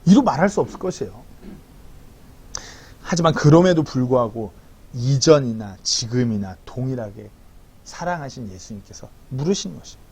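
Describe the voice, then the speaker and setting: A man in his thirties preaching a sermon as pastor, acting out quotes in a lively way. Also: mid-range voice, normal speed, long pauses, breathy edge. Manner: animated preaching with acted-out quotes. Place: church hall.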